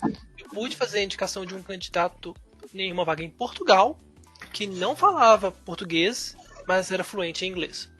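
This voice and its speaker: A man's voice: high-pitched, expressive, moderate pace, bright, forceful tone, husky, faint music behind. A Brazilian man speaking as a recruiter on a panel, explaining through examples with emphatic, repeated phrasing.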